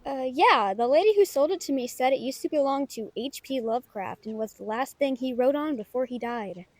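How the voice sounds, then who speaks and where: Woman acting a high-voiced, chatty novelist. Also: expressive, a little fast, darkish tone, dry recording. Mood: chatty, bemused. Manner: chatty, hesitant, informal. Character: friendly, casual young female novelist, easily unnerved. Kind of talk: naturalistic audio roleplay acting.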